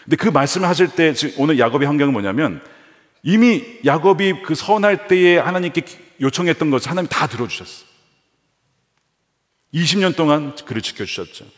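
A male pastor preaching a sermon with animated delivery, acting out the voices he quotes. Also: fairly high pitch, a little fast. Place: large church sanctuary. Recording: reverberant church hall.

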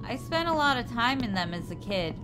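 A woman's voice: fairly high pitch, very animated, fairly quick. A woman playing a feisty, sceptical human companion in an audio drama, blunt and questioning. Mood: uneasy. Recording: music behind the voice.

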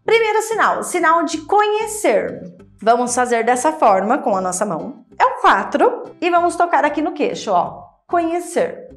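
Brief: high-pitched female teacher, lively and coaxing, faint music under her. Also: normal speed. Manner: lively, talks the viewer through each step with many "ó" and "né". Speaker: sign language teacher. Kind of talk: video lesson.

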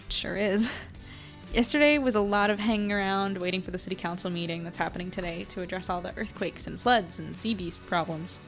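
Practical, easygoing woman editor acted, mid-pitched. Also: soft background music, close to an everyday voice. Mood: friendly. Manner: casual, supportive, measured. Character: reassuring, practical young female newspaper editor. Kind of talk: audio drama dialogue.

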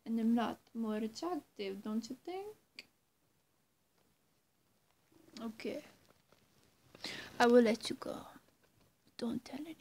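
A young woman playing a menacing, two-faced female vampire in a roleplay, halting and often breathy, sweet one moment and threatening the next. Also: fairly high pitch, animated, darkish tone, exaggerated voice. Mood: coaxing, wary. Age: young adult. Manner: halting, teasing threats with long pauses, often dropping to breathy near-whisper. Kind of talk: roleplay addressed to the listener. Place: small room at home, indoors.

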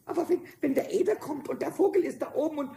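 A man voicing a small, cheeky, impulsive kobold in a children's radio play, squeaky and stammering with repeated words. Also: fast talker, creaky, mellow. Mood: flustered, bossy. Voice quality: squeaky, high-pitched. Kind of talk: 1970s German children's radio play acting. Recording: noisy old vinyl radio-play recording.

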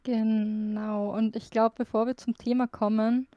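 A woman's voice: fairly high pitch, level tone, measured pace, warm tone, no echo, highs cut off. A woman in her twenties from Austria, moderating a casual chat as podcast host. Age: 20s.

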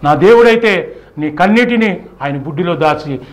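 High-pitched male preacher, fervent. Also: animated, moderate pace. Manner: exhortatory, emphatic, repetitive rhetorical questions.

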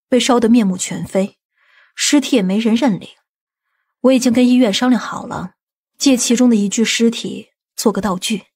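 A woman playing a composed, scheming aunt in an audiobook, measured and authoritative. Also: on the high side, a little mellow, breathy edge. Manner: measured, matter-of-fact, authoritative. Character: composed, commanding, scheming aunt of a powerful family.

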